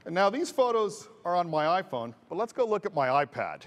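A man's voice: high-pitched, very animated, brisk. A man giving a live product demo on a large stage, walking through each step casually. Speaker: company executive giving a demo.

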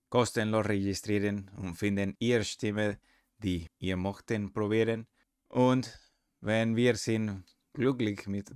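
A non-native man with a foreign accent giving a software tutorial, halting and searching for words. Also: on the low side, vocal fry, no echo, studio quality. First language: not German. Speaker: presenter.

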